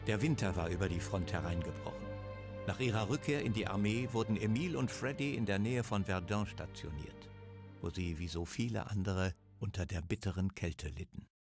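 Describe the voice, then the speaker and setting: A man reading the narration of a war adventure game in a calm, measured storytelling voice. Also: deep voice. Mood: solemn. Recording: game audio with clear music behind.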